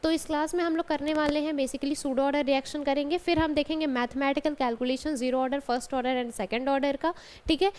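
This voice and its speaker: A woman with a high voice teaches chemistry in a college classroom. She explains step by step, keeps checking that her students follow, and talks to them kindly, like a teacher to her own pupils. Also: steady tone, moderate pace, darkish tone. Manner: explains step by step, often adds "ठीक है" and calls students "बेटा". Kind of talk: classroom lecture.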